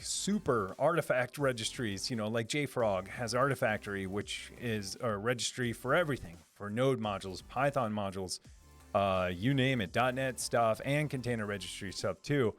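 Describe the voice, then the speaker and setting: A man's voice: medium pitch, moderate pace, fairly bright tone, soft background music. Chatty man hosting a live stream. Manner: rambling and upbeat, many fillers and restarts, laughs often. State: voice a little lower than usual. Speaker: live stream host answering chat. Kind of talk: casual live-stream chat.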